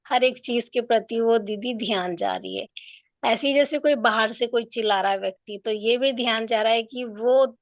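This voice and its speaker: A woman's voice: fairly high pitch, normal speed, dry recording. A woman student earnestly sharing her reflections in a class, rambling a little and addressing the teacher respectfully. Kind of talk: casual sharing in an online class.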